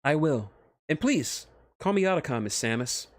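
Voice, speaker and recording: A man's voice: a little high, sing-song, normal speed, dry recording, studio quality, voice pushed up. A man voicing a polite, nerdy and eager male scientist in a fan fiction reading. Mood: earnest, explaining.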